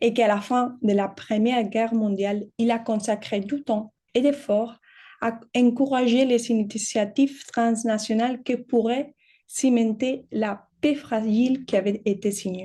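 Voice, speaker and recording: In a non-native accent, a woman talks at a fairly slow pace with a dark, mellow tone and a fairly high pitch. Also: quiet background. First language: not French (speaking French). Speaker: academic speaker. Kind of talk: conference talk. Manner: halting.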